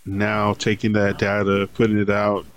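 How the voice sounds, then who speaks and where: Low-voiced relaxed podcast guy. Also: moderate pace, dull audio, a little hiss or hum. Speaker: podcast co-host. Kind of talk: casual chat.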